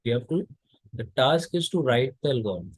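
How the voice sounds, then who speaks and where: A man from India gives a recorded college lecture at a middle pitch. He explains each step patiently, often pausing on fillers and restarting his sentences. The recording is dry and close, with no room sound. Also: animated, husky, dry recording, low-quality recording.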